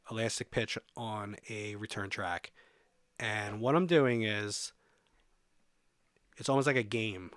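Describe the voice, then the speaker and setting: A man giving a casual software walkthrough as a music production tutorial presenter, thinking aloud informally as he demonstrates. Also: medium pitch, no echo, clean studio sound.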